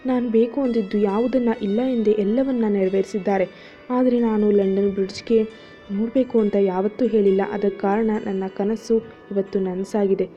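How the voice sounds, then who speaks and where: A woman's voice: medium pitch, steady tone, moderate pace, lightly acted. A woman voicing a tipsy, lovesick young woman in an audio story, talking in a pleading, emotional way. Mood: tearful. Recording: dull lo-fi audio with faint music.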